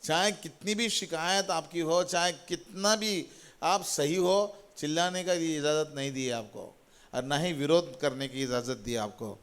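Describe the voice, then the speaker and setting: A man's voice: a little high, measured pace, fairly bright tone, clean tone. A middle-aged man preaching a sermon as a pastor, repeating phrases and calling out hallelujah to the congregation. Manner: repetitive, exhorting, calls out hallelujah.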